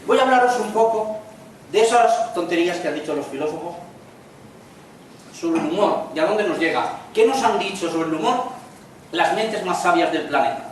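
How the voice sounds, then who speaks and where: A man with a Spanish accent from Spain, giving a lecture in a chatty way and slipping in jokes with quick acted lines. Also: sits high, expressive. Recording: echoey room from far off, faint noise.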